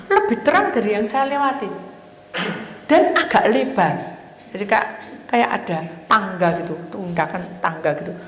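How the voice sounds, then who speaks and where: A woman's voice: mid-range voice, expressive, normal speed, a bit bright. A woman pastor giving a sermon testimony as dramatic storytelling, acting out the voices she quotes. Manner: dramatic storytelling, acts out quoted voices, addresses congregation as "saudara". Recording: echoey hall with long reverb, faint ambience.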